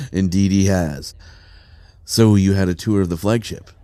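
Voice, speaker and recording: Man acting a fleet admiral, sci-fi audio drama, low-pitched, authoritative, genial, probing, dry close recording. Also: takes it slowly, mellow, no echo. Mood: jovial, insistent. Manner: commanding, probing, courteous.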